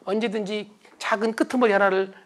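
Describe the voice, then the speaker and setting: A man's voice: high voice, fairly quick. A middle-aged man giving a motivational lecture to an audience, acting out quarrels in a raised voice. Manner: animated, acts out quarrels in raised voice.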